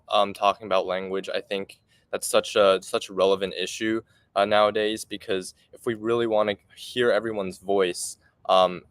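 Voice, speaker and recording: A young man moderates an online panel, affirming each speaker and hesitating with frequent fillers. His voice is low and deep. He speaks in a fairly flat line. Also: dry recording. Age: young adult.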